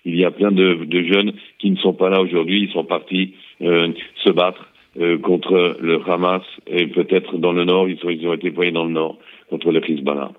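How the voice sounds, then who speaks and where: A man, a former intelligence officer, giving a measured analysis over a phone line in a radio interview, pausing often with hesitant fillers. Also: low-pitched, little pitch movement. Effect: heard over a phone line.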